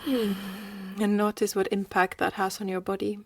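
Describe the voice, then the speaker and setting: A woman leading a guided meditation in a slow, gentle manner with long pauses. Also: mid-range voice, completely flat delivery, husky, no room sound.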